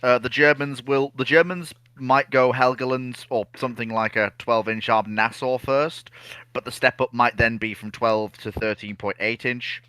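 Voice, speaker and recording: A man's voice: medium pitch, fairly even intonation, moderate pace, sharp tone, clean tone, no echo. A man discussing history informally and analytically as a guest on a chat show.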